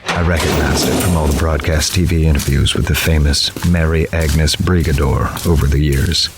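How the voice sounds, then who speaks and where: An actor playing a grave, observant newspaper reporter, narrating a horror audio drama in the first person in a measured, literary way. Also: male voice, rumbling low, fairly even intonation, heavy background noise. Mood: somber. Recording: music behind the voice.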